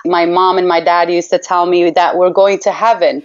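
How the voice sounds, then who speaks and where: A slightly muffled, lo-fi recording of a woman with a lowish voice. She is from Iraq and speaks as a campaigner being interviewed. Her delivery is earnest and emphatic, and she repeats phrases for weight. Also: flat delivery, normal speed. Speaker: human rights campaigner, interview guest. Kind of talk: heartfelt interview answers. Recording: dull, lo-fi line.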